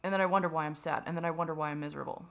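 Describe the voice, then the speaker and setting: A woman's voice: deep voice, steady tone, rapid-fire, fairly bright tone. A woman vlogger speaking to camera in a rambling, self-critical confessional monologue, swearing often and restarting her sentences.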